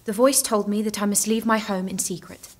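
A woman's voice: medium pitch, steady tone, brisk, darkish tone, lightly acted. An actress playing a devout, determined teenage peasant visionary in an audio drama, earnest and direct in her formal address.

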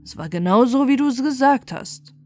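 A woman's voice: sits high, expressive, normal speed, pitched above the performer's own voice. Woman reading as an earnest storybook woodcutter. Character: honest, plain-spoken male woodcutter.

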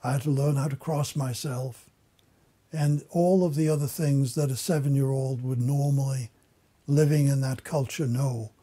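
An older man whose first language is German gives measured, reflective testimony. His voice is dark and somewhat husky. He is interviewed indoors in an office. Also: medium pitch, steady tone.

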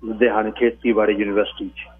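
A calm young student who answers the elders in a low, quiet, matter-of-fact voice, as a man reading a story puts him on. The voice is slightly husky and comes through a thin, phone-like radio broadcast. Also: brisk.

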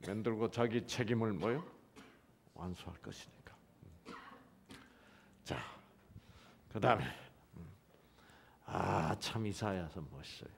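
A man's voice: on the low side, a little slow, gravelly, pauses often, slight background noise. A middle-aged man giving a church lecture on the Bible, questioning the audience and joking as he goes. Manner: lively, questions the audience, jokes and laughs.

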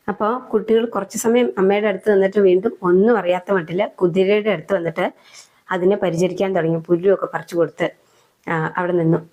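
Low-voiced woman telling an epic story. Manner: unhurried, reflective, with short phrases and soft fillers.

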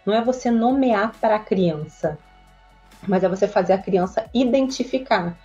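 A woman's voice: mid-range voice, normal speed, mellow, soft background music. A Brazilian woman, a child psychologist, explaining emotions patiently in an interview, often checking in with "né?". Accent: Brazilian Portuguese. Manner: earnest, patient, explains step by step with frequent "né?". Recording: slightly dull lo-fi audio.

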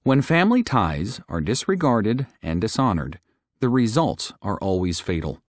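Low-voiced man narrating a religious audiobook. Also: sing-song, moderate pace, no room sound.

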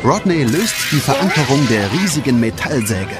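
Lively male storyteller over prominent music. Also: medium pitch, normal speed. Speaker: narrator. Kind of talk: scripted narration of children's audio play. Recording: music under the voice.

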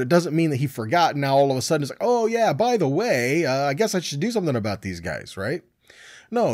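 A man's voice: medium pitch, a little mellow, no room sound, studio quality. A middle-aged man teaching scripture in an informal sermon, conversational and often answering his own questions. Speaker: Bible teacher.

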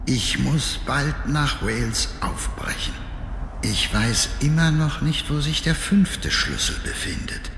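Solemn, slow old nobleman, reverberant. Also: medium pitch, a bit bright, slight background noise. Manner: solemn, deliberate, theatrical. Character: weary, haunted old nobleman reading out his diary. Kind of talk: dramatic scripted diary narration.

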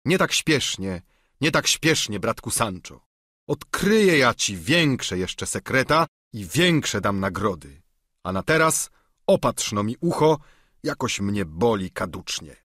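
A grandiose aging knight speaks in solemn, declamatory tones, as a male audiobook narrator puts him on. The voice is husky and lively in pitch, recorded close and dry. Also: a little slow, dry recording, exaggerated voice. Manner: pompous, declamatory. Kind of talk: audiobook character reading.

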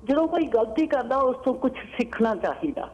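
A woman phones in to a talk show, her voice coming through a dull, muffled phone line. She gives her opinion firmly, pausing on fillers as she searches for words. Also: fairly high pitch, sing-song, darkish tone. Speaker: caller.

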